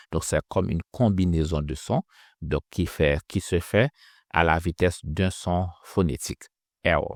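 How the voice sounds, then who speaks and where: Slow, deep-voiced man teaching pronunciation. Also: no room sound, clean studio sound. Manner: slow, careful, repeats sounds for practice. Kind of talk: phonetics lesson with drills.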